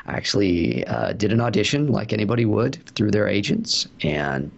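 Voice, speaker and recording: A man with a low, gravelly voice answers interview questions in a relaxed, rambling way, full of fillers and restarts. His voice comes through a dull, lo-fi line. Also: moderate pace. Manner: chatty storyteller, many fillers and restarts. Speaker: voice actor guest.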